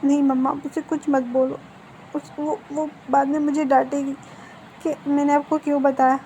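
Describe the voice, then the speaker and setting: A tearful, anxious young man pleads through his crying in a storybook retelling, as a woman reads him out. The voice sits high and soft, with a mellow tone. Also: level tone, moderate pace, slight background noise, natural voice. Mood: tearful, pleading.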